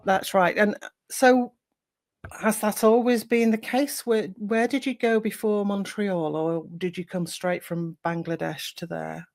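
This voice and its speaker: A woman's voice: medium pitch, steady tone, a little slow, a little mellow. A woman hosting an interview podcast, reading an introduction and asking encouraging questions. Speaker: podcast host.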